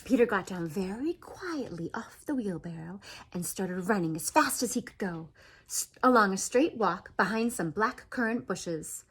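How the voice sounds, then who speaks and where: A woman reading a children's story aloud as an animated narration, expressive, with dramatic swoops and pauses. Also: mid-range voice, slightly rough. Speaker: storybook reader.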